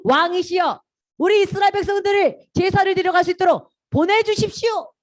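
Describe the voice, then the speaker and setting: A woman's voice: very high voice, brisk, pitched above the performer's own voice. A woman voicing a frustrated pleading prophet. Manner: complaining, then pleading. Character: exasperated male prophet pleading with God.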